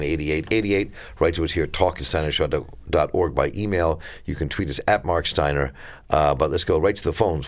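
A man hosting a live call-in radio talk show from a studio, with a smooth radio host delivery. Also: extremely low pitch.

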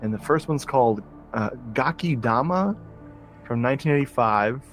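A man chatting on a podcast, enthusiastic and rambling, often stopping to restart a sentence. His voice sits at an everyday middle pitch, with faint music behind him. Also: lively intonation, normal speed. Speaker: podcast co-host. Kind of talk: casual chat about horror movies.

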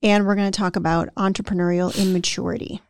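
Lady podcast cohost, talky, keeps saying right?, crackly fry, dry close sound. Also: medium pitch, flat delivery, quick pace, darkish tone, dry recording. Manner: chatty, tags sentences with "right?", acts out imagined self-talk. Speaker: podcast co-host. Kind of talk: casual conversational podcast chat.

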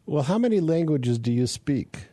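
A man from the United States hosting an interview, asking curious questions and telling relaxed stories about sailing. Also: on the high side, moderate pace, no echo, clean studio sound. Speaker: podcast host. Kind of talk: casual interview questions and anecdotes.

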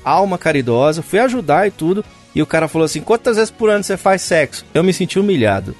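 A man's voice: on the high side, big pitch swings, fast, faint music behind. A man co-hosting a casual podcast, slangy and laughing easily. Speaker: podcast co-host. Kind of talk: casual chat.

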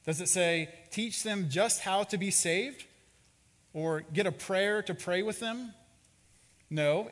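Acting out each character's quotes, a man tells a story during his sermon as a pastor. His voice is high-pitched and a little bright, and the sound carries a long hall reverb.

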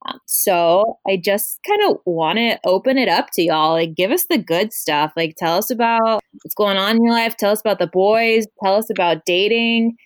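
A woman hosting a casual radio talk show, upbeat and quick, laughing often with her guests. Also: medium pitch, clear, resonant tone, no room sound. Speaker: host.

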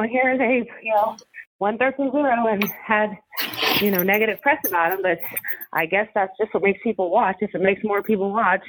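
A woman's voice: mid-range voice, a bit bright, no echo. A woman, a soccer coach and commentator, talking casually in an interview and rambling with many fillers. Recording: tinny phone line.

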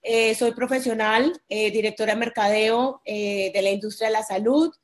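A woman from Colombia in her forties, speaking as an interview guest. Her voice sits a little high, and she tells her own story openly and with feeling. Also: steady tone, normal speed. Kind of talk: personal interview.

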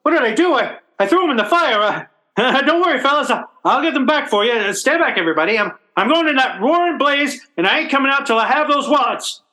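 Radio comedy role: male actor as blustery working-class everyman, high-pitched and forceful, colloquial, excitable, good-hearted. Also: fast talker, full character voice, low-quality recording. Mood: flustered. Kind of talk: old-time radio comedy acting.

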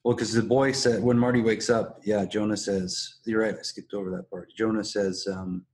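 Low-voiced man recapping a show. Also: level tone, moderate pace, darkish tone. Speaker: podcast host. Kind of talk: casual episode recap and analysis.

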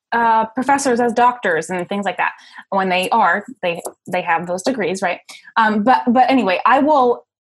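A young woman talking casually as an interviewee, in a hesitant, circling conversational way. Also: mid-range voice. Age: young adult. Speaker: interviewee, ordained minister.

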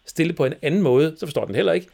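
A man's voice: on the high side, vocal fry, a little mellow. A man from Denmark interviewing a guest with conversational, probing questions.

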